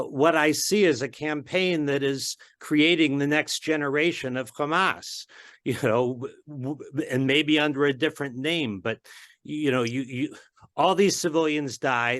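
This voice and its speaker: A man with an ordinary, mid-range voice hosts a question-and-answer session. He speaks earnestly and searchingly, pausing often and restarting his words as he works through his question. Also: medium pitch, a bit bright. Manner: earnest and searching, with many hesitations. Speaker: host asking questions. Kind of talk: Q&A moderation.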